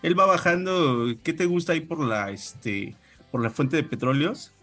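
A man's voice: fairly high pitch, expressive, moderate pace, a bit bright, faint music behind. A man with a Mexico City accent telling a rambling story in casual chat, full of hesitations. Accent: Mexico City Spanish. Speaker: radio show co-host. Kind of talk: casual storytelling among friends.

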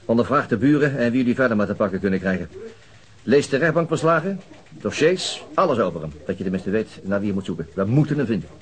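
An actor playing a brisk, businesslike police inspector who leads his team in a radio drama. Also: medium pitch, big pitch swings, close to an everyday voice. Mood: commanding. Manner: brisk, commanding.

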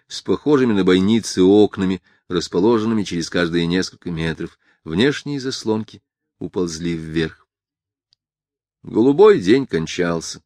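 Low male narrator reading a novel aloud, grave and measured, close dry sound. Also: dry recording. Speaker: audiobook narrator. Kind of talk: first-person literary audiobook reading.

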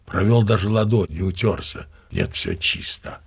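An actor playing a pompous, easily irked sea captain who tells his yarn in a grandiloquent, expressive theatrical manner for an audio play. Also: fairly low pitch, moderate pace, gravelly, slightly rough, full character voice. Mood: storytelling.

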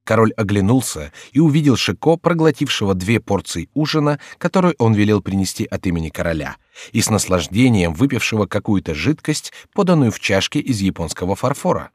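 A man narrating a classic novel in a measured, even storytelling manner for an audiobook. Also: on the low side, no room sound, studio quality. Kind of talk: scripted literary narration. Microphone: close studio mic.

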